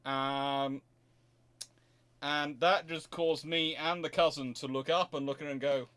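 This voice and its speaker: A man hosting a casual livestream, chatting in a halting, digressive way with wry, mildly sarcastic asides. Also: on the high side, fairly even intonation, a bit bright. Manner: halting, digressive, self-interrupting. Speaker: livestream host answering chat. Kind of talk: casual rambling livestream chat.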